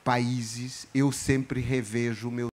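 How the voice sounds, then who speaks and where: Man, Portuguese accent leaning Brazilian, author on a panel, thoughtful, halting, mid-pitched. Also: flat delivery, a little mellow. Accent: Portuguese, softened toward Brazilian. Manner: reflective, halting, many restarts. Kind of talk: panel discussion.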